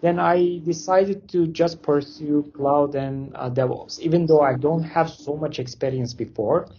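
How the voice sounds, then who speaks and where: A man's voice: on the high side, steady tone, a little slow, mellow, muffled recording, slight background noise. A man from Turkey speaking English, answering interview questions casually with loose phrasing and many fillers. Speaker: interview guest, company founder.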